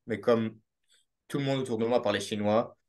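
On a relaxed video-call interview, a young Belgian podcast guest with a Belgian French accent stumbles along with frequent fillers and restarts. He's recorded via laptop webcam mic in a small home room. His voice is lowish and a little mellow, with fairly even intonation.

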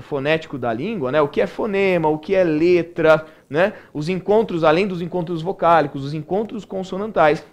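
Brazilian male teacher with a somewhat high voice and a relaxed, conversational way of explaining, checking in often with students. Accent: Brazilian Portuguese. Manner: casual, keeps checking in with "né?" and "tudo bem?". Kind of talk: recorded online grammar lesson.

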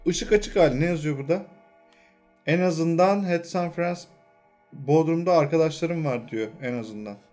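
Faint music sits behind a young man who hosts a gaming channel as he narrates his horror game playthrough at an ordinary pace. He murmurs to himself and to the game, breaks into frightened shouts, and his throat is audibly strained.

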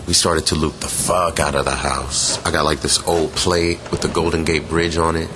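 A man with an extremely deep voice tells a creepy personal story as if chatting with friends. He is laid-back and matter-of-fact, and there is clear rumbling noise behind him. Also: level tone, moderate pace, bright, forceful tone. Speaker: guest reader of a listener's story. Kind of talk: conversational first-person ghost story reading. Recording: clearly noisy, vehicle-like background rumble.

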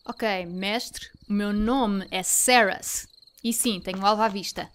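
A woman's voice: medium pitch, measured pace, a little hiss or hum, close to an everyday voice. A woman playing a flustered, irritable young policewoman in an anime parody dub, with a European Portuguese accent.

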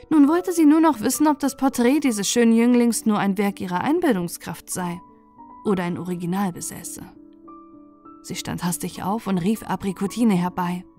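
Gentle woman reading a bedtime fairy tale. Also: medium pitch. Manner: soft, gentle, unhurried reading. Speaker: audiobook narrator. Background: faint music.

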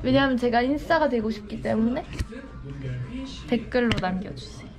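A woman's voice: a little high, lively intonation, normal speed, heavy background noise. A young woman chatting playfully and teasing her bandmates in a backstage vlog, wearing a headset mic. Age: young adult. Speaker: idol group member. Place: backstage waiting room. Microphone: headset mic, handheld camera.

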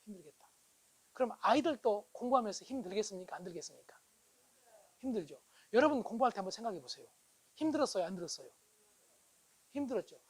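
Brisk, high-voiced middle-aged male lecturer who often asks the audience to agree. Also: husky, low-quality recording. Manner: asks the audience for agreement, swings from loud bursts to hushed asides. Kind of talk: animated public lecture. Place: lecture hall.

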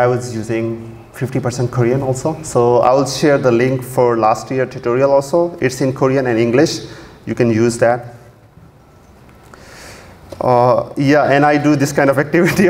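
Man in a hall. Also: medium pitch. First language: Urdu. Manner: relaxed, many fillers and restarts. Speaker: conference speaker. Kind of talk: technical conference talk. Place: large dark auditorium, at a podium. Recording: long hall reverb, faint ambience.

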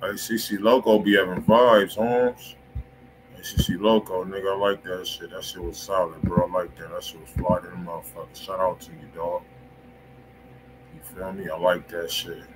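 An American man with a very low voice hosts a live music stream. He talks in casual, swearing slang, laid-back and often thinking aloud. There is faint noise behind him, as from a home setup. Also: little pitch movement, moderate pace. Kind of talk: casual slangy livestream chat. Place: small room indoors. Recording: noisy home livestream microphone.

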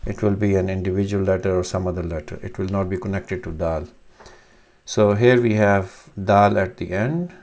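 A man in his thirties whose first language is Urdu, teaching a reading lesson with slow, halting explanations and many fillers. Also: low-pitched, fairly even intonation, darkish tone. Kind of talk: screen-recorded reading lesson.

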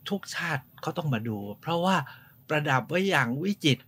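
A man hosting a tour, telling stories in a lively, polite, informal way outdoors. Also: on the high side, a little fast. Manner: lively storyteller, polite, often adds polite particles. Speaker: host and tour guide. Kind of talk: informal guided-tour storytelling. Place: outdoors at a temple.

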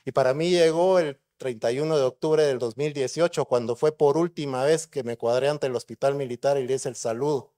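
Warm-toned and mid-range, this voice moves a little fast with hardly any pauses. It belongs to a middle-aged Guatemalan neurosurgeon giving a conversational conference talk and asking the audience rhetorical questions.

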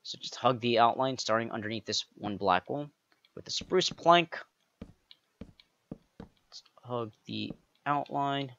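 A man narrating a step-by-step game building tutorial, counting blocks aloud with playful jokey asides and a slightly raspy voice. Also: medium pitch, slow pace, pauses often, a bit bright, dull audio, slight background noise. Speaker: pixel art tutorial creator.

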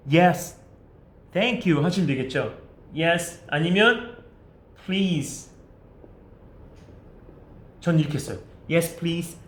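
A man with a fairly high voice teaches basic English phrases in a roomy, echoing space. He pulls the English sentences out slowly and clearly. Between them he explains quickly and coaxes the viewers along with friendly questions. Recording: roomy echo.

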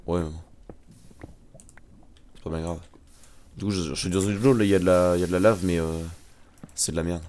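A man's voice: deep voice, fairly even intonation, normal speed, pauses often, a little mellow, slight background noise. A man, chatting casually while playing a game, laid-back and often saying "mec". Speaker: let's play co-host. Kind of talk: casual gaming chat.

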